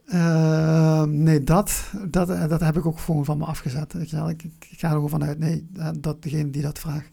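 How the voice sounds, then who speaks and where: Answering interview questions thoughtfully, this guest from Venlo in Limburg, Netherlands, often pauses and repeats words to find the right way to say things. Their mid-range voice is soft, mellow and husky with a distinct creaky crackle, delivered flatly in a southern Dutch accent.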